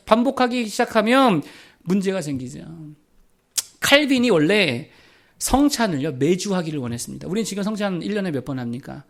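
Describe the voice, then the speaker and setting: A middle-aged male pastor preaching a sermon, asking his listeners questions and dropping low to quote people. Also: fairly bright tone. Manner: rhetorical questions, drops to a low voice for quoted lines.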